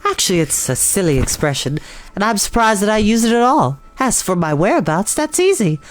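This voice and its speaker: Woman voicing a thin, high, pleasant little spider lady. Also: very animated, fairly quick, no room sound, close to an everyday voice. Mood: friendly. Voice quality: thin, light voice. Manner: pleasant, precise, self-assured. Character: small female spider, pleasant, proud, matter-of-fact.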